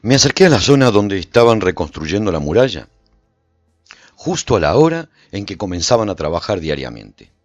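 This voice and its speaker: Lone post-apocalyptic wanderer, lowish voice, lively intonation, reflective storytelling, deliberate pauses, radio serial. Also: male voice, no echo, studio quality, soft background music. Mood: observant, reflective. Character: solitary male survivor recounting his post-collapse travels, reflective. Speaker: narrator and lead actor of a radio serial. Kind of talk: dramatic first-person radio drama narration.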